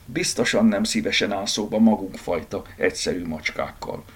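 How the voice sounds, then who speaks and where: A man's voice: fairly low pitch, huge pitch swings, gravelly, full character voice. A man voicing a timid black house cat who wonders and mutters uneasily. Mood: hushed awe.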